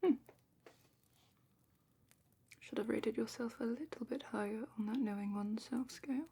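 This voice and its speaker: A woman playing a calm, attentive dragon matchmaker in a slow, whispered ASMR roleplay with thoughtful pauses. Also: a little high. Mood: calm, curious. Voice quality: breathy, whispery. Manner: slow, gentle, thoughtful questioning with murmured pauses. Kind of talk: soft-spoken ASMR roleplay, largely whispered.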